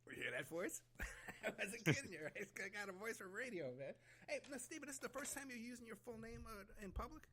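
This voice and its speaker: A man's voice: sits high, sharp tone, slight background noise. A man hosting a podcast, talking casually and enthusiastically with lots of fillers. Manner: fast, enthusiastic, frequent laughs and fillers. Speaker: podcast host. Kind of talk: casual interview chat.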